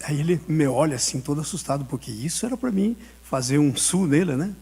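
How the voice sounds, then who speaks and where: A man's voice: a little high, brisk, a little mellow, breathy edge. A male pastor preaching a sermon, telling a personal story and acting out the dialogue with frequent laughter.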